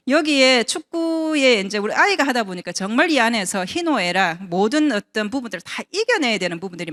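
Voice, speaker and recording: A woman in her fifties, the invited speaker at a business seminar, offers a conversational personal testimony sprinkled with rhetorical questions for listeners. Her medium-pitched voice is a bit bright, recorded dry at studio quality.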